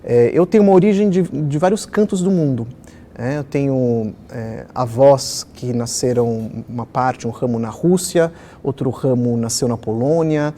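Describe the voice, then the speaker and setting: Telling personal stories in an animated interview style full of fillers, a middle-aged children's author originally from Israel speaks at medium pitch and a moderate pace. A little hiss or hum can be heard in the recording.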